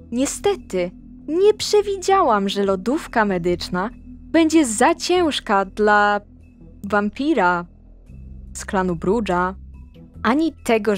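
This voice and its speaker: Higher-pitched woman telling a story. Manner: confiding storyteller, speaks straight to the listener. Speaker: tabletop game player recapping a season. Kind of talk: in-character story recap addressed to the listener.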